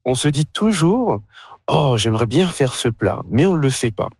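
A man's voice: medium pitch, big pitch swings, moderate pace, a little mellow, husky, no echo, studio quality. A young man from France, a guest in a casual interview, talking hesitantly with many fillers and restarts. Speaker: interview guest, pastry caterer.

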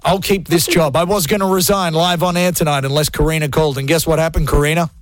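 A man's voice: on the high side, steady tone, quick pace, no room sound. A man hosting a radio show, hyped and jokey, poking fun at himself. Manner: hyped, jokey, self-mocking. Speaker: radio host. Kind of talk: energetic radio banter. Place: radio studio.

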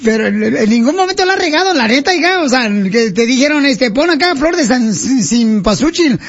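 Very high-voiced teasing radio host man. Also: animated, fairly quick. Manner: playful, teasing, calls caller "mi amor". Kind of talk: joking radio call-in chat. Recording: muffled radio broadcast.

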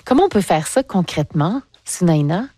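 A woman's voice: on the low side, sing-song, normal speed, warm tone, no echo, clean studio sound. A woman interviewing two young guests, asking follow-up questions and encouraging them. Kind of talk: radio interview.

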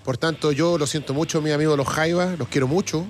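A man's voice: a little high, steady tone, brisk. A Chilean man co-hosting a live music stream, chatting casually and reading viewer comments aloud. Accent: Chilean Spanish.

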